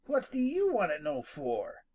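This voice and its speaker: A storybook narrator voicing a sly, good-natured male skunk who teases in a slow drawl. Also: medium pitch, big pitch swings, breathy edge, voice pushed up, heavily acted. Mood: teasing.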